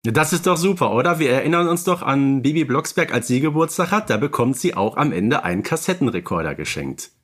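A man's voice: mid-range voice, sing-song, a little fast, hardly any pauses. A man hosting a podcast, interviewing his guests in a casual, chatty style. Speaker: podcast host.

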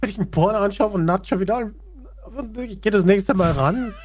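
A man's voice: high-pitched, fairly quick, darkish tone, slightly rough. A man in casual comedic podcast chat, laid-back and a bit defensive. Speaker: podcast co-host.

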